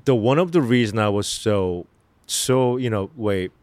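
Low-voiced man with a Korean accent. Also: expressive, a little mellow, dry recording. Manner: earnest, halting speech with fillers and restarts. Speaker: actor guest. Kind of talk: casual interview answers.

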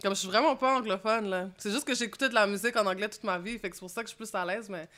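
A young woman with a Québécois French accent, a rap artist chatting in an interview, lively and slangy, dropping English words into her French. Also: mid-range voice, rapid-fire. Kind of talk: casual interview chat.

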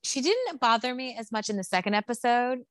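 A woman's voice: on the high side, expressive, fairly quick, no room sound, clean studio sound. A young woman co-hosting a podcast, chatting casually and opinionated, with lots of "like". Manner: chatty, opinionated, heavy use of "like". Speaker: podcast co-host. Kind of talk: casual chat.

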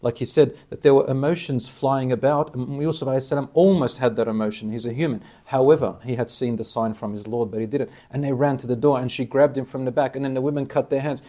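A man hosts an interview with a mellow, dark voice. He speaks earnestly, like a teacher giving religious advice. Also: medium pitch, fairly even intonation, fast talker, few pauses. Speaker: interviewer and Islamic preacher.

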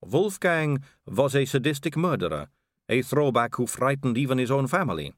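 A man playing a calm, sly vampire lady. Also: medium pitch, normal speed, no echo, studio quality, voice pushed up, close to an everyday voice. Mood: cool, sly. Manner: cool, drawling, amused and poised. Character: calm, elegant, sly female vampire noblewoman. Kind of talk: audiobook character reading.

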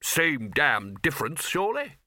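A man plays a gruff old wizard in charge in a comic fantasy storybook. He is bossy and brusque, barking in clipped phrases. The voice rides high and forceful, with big swings in pitch. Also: wildly swooping pitch, measured pace, no echo, clean studio sound, exaggerated voice. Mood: indignant, firm. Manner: blunt, clipped, brusque, hectoring. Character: gruff, blustering, bossy old male wizard Arch-Chancellor.

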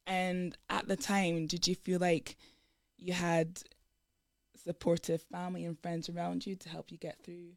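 A woman hosting a casual radio interview, a little croaky from a sore throat. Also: lowish voice, little pitch movement, measured pace, no echo, studio quality. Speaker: radio show host. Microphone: studio microphone.

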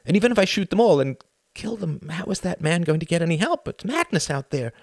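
A man voicing a wary hero quietly reasoning through a dangerous choice. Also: a little high, very animated, fairly quick, creaky, no echo, studio quality, pitched above the performer's own voice, full character voice. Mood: anxious reasoning. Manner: quiet, anxious inner reasoning.

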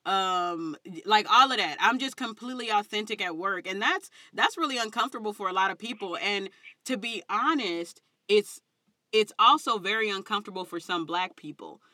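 An interview guest in her thirties with a Southern African American English accent talks candidly and emphatically, in slangy, unfiltered conversation. Her medium-pitched voice is pushed and bright, with lively intonation at a moderate pace, recorded in a clean studio with no echo.

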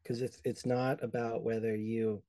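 A young man from El Salvador, a podcast guest speaking thoughtfully in an interview, often pausing and restarting as he searches for words. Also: medium pitch, little pitch movement, warm tone, no room sound. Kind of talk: reflective conversational interview.

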